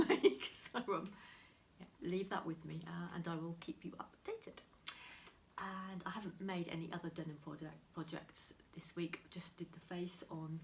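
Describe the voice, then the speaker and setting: Soft-spoken woman with a cold. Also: lowish voice. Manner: soft, chatty, often half-whispered with small laughs. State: slightly nasal with a cold. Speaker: crafting vlogger. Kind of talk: casual chat to camera. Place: home room beside a window, heavy rain outside. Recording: faint rain noise.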